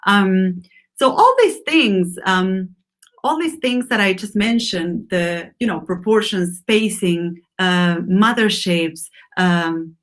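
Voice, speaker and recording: A woman's voice: medium pitch, expressive, slow. A woman from Argentina teaching a lettering class, speaking off the cuff with many ums and restarts. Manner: unscripted, many fillers and restarts. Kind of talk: class lecture.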